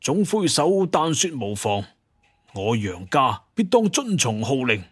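A man's voice: mid-range voice, big pitch swings, a little slow, fairly bright tone, husky, no room sound, studio quality, full character voice. An actor playing an older clan patriarch in an audio drama, humble and formally deferential, a proud father. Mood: respectful. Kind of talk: Cantonese audio drama dialogue.

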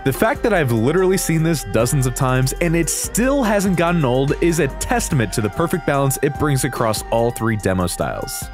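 A man giving casual, enthusiastic commentary in an excitable, slangy and emphatic way. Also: a little high, a little fast, hardly any pauses, over music. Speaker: video creator giving commentary.

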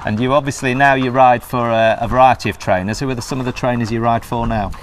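A man's voice: medium pitch, fairly even intonation, quick pace, a little hiss or hum. A middle-aged man hosting an interview in an outdoor stable yard, chatty and full of "yeah, yeah". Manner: chatty, frequent "yeah, yeah" and "mm-hmm".

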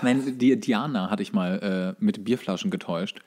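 A man's voice: lowish voice, moderate pace, darkish tone. A man co-hosting a podcast, recounting anecdotes in colloquial, conversational speech. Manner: colloquial, acts out dialogue in stories. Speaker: podcast co-host. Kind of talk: casual chat, anecdotes.

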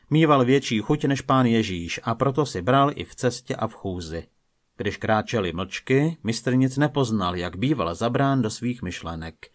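Man, storyteller, folk legends, calm measured reading, mid pitch. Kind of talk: scripted narration of folk legends.

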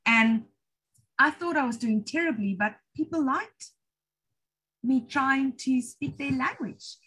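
South african lady teaching on a video call, a bit husky, higher voice, chatty and warm. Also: lively intonation, slow pace, low-quality recording. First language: English or Afrikaans. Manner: chatty, encouraging, self-deprecating. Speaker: IELTS trainer hosting a webinar. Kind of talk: webinar Q&A answers. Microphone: laptop video call.

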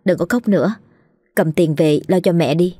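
A woman voicing a kind young mistress who scolds gently and speaks with warmth. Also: on the low side, moderate pace, husky, no room sound, studio quality. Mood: gentle firm.

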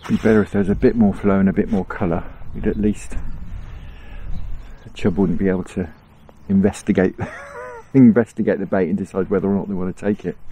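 A middle-aged man talks his way through a fishing session on a riverbank, chatty and quick to chuckle. His voice sits low and mellow. Faint outdoor noise runs behind him. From England. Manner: chatty, chuckles often, relaxed self-talk. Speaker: angling vlogger. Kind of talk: casual running commentary.

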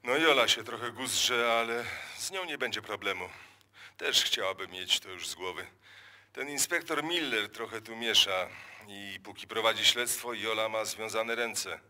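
Plain-spoken henchman, reassuring, colloquial, very sharp bright voice, radio play. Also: on the low side, moderate pace. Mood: reassuring, casual. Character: easygoing, cautious male accomplice, plain-spoken. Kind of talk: live radio play acting.

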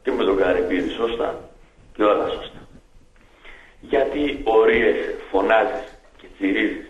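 A man's voice: fairly low pitch, reverberant, muffled recording, a little hiss or hum. A man calling into a radio show, taunting and confrontational. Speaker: caller. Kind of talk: radio call-in.

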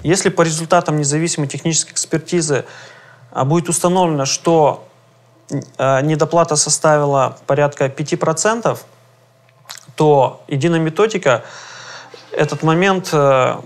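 A man's voice: a little high, normal speed, pauses often, soft background music. A man in his thirties, a lawyer, explaining formally and carefully with fillers in an office interview on a lapel mic. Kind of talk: expert interview. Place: indoor office.

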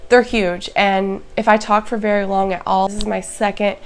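A chatty woman with a hoarse, raspy voice and plenty of gravelly fry running through it. She talks through a casual home vlog, upbeat and speaking straight to her viewers at a middling pitch. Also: flat delivery, moderate pace, slight background noise. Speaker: plant vlogger. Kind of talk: casual show-and-tell vlog.

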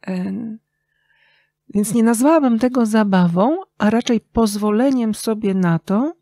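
A woman's voice: fairly high pitch, dark tone, dry recording. Thoughtful woman in a dry-sounding interview. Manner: thoughtful, halting phrasing with pauses. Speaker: interview guest, writer and radio journalist. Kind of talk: reflective conversational interview.

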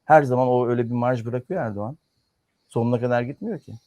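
A man talking economics and politics in a casual chat, arguing firmly and pausing on fillers as he reasons. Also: mid-range voice, mellow, no room sound. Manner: argumentative, lectures in firm repeated clauses. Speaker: economics commentator.

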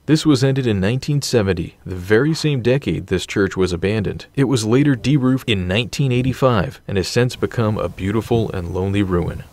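A man giving scripted, measured narration for a history documentary, reading dates and figures evenly. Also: fairly low pitch, darkish tone.

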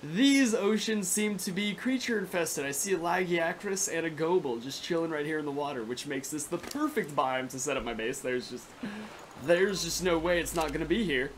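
A young man from California with a raspy, sore throat, giving excitable, foul-mouthed gameplay commentary. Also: fairly high pitch, moderate pace, a little hiss or hum. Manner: excitable, swears freely. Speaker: gaming YouTuber.

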